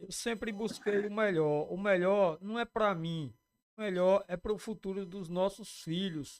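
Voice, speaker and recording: High in pitch, a man talks at a fairly slow pace. His intonation is fairly even. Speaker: podcast host. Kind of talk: podcast interview host.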